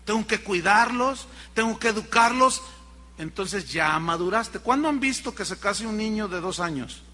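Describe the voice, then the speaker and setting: Animated preacher with a bright voice. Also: male voice, sits high, moderate pace. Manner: animated, acts out dialogues. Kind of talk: sermon. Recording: long hall reverb.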